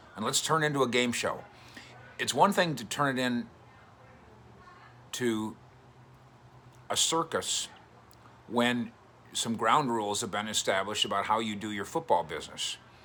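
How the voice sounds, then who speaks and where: Quiet and bright with a sharp edge, a man talks at a moderate pace and medium pitch, his intonation lively and broken by long, frequent pauses. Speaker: sports reporter. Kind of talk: video commentary. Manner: quiet, held back.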